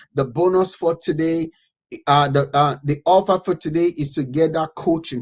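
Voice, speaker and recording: This man speaks with a Nigerian accent. His pitch is fairly high. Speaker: online business coach. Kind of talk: sales pitch. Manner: animated; halting.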